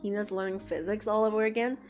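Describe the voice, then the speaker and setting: A woman's voice: medium pitch, fairly even intonation, fast talker, darkish tone, faint music behind. A woman chatting casually with her livestream audience, talkative and given to mock-dramatic outbursts. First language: English. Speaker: art streamer answering chat.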